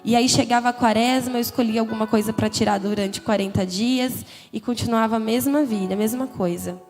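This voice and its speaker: A young woman with a São lilt, her voice sitting a little high, tells her own story to a church youth gathering. She talks candidly and conversationally, with a lot of feeling, and her words ring out in a big hall with long reverb and faint music underneath. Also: fairly even intonation, brisk. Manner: candid, conversational, emotional, frequent "né?" tags. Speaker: testimony speaker. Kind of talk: personal testimony at a church youth congress. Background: soft background music.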